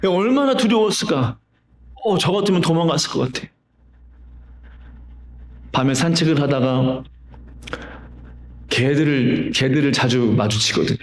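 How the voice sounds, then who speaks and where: A man preaching a sermon as pastor, telling stories and asking the congregation rhetorical questions. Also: mid-range voice. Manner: conversational storytelling with rhetorical questions. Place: church sanctuary. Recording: roomy church reverb.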